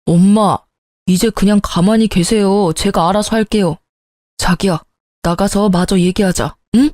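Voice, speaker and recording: A woman's voice: mid-range voice, steady tone, moderate pace, darkish tone, no room sound, close to an everyday voice. A woman voicing a two-faced young groom-to-be, brash and then pleading. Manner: brash, pleading when cornered.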